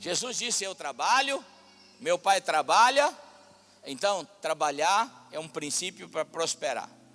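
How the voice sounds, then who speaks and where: Speaking at a fairly slow pace, a man uses a high pitch and lively intonation. The sound is dry and close with no echo, and background noise is noticeable. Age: 60s. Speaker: pastor. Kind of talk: sermon. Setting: church service.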